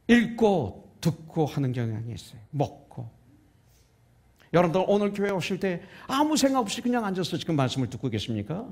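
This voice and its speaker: A male pastor from Korea preaching a sermon emphatically, sometimes dropping to a whisper for stress. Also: high voice. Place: church sanctuary.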